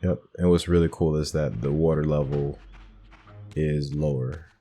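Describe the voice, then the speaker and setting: A man's voice: a bass voice, fairly even intonation, moderate pace, mellow, slightly rough. A man giving casual gameplay commentary, thinking aloud as he plays. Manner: thinks aloud, musing to himself. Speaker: gaming host narrating a playthrough.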